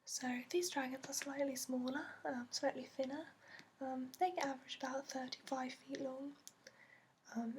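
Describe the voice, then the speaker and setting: A woman playing a gentle female dragon expert in a soft-spoken, partly whispered ASMR fantasy roleplay, explaining slowly and hesitantly in a put-on accent. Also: high voice, slight background noise, lightly acted. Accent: put-on, non-native to the performer.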